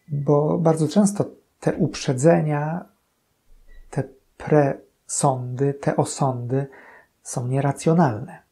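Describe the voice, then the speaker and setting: A man in his thirties gives a calm, earnest reflection as a priest, speaking very slowly. His voice is mellow and slightly husky. He is recorded on camera in a small chapel room. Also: medium pitch. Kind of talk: short gospel commentary. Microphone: fixed camera, medium shot.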